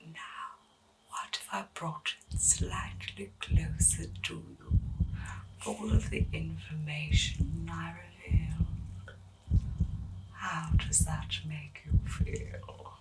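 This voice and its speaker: A woman playing an eccentric, doting and gently menacing doctor in a breathy, whispered ASMR medical roleplay, with soothing, genteel endearments. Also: low voice, flat delivery, slow pace, far from the mic, low-quality recording. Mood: soothing, intrigued.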